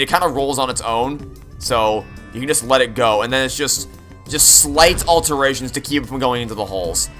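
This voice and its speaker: A man's voice: medium pitch, a bit bright. A young man giving casual, opinionated, rambling commentary as he plays through a video game. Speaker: video game playthrough streamer. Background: game music.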